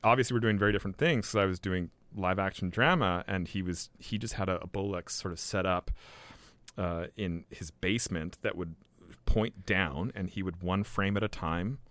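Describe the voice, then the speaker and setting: A man's voice: low-pitched, moderate pace, a bit bright, no echo. A man in his forties, a filmmaker guest on a podcast, telling his story casually with lots of restarts and fillers. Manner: rambling, many restarts and fillers.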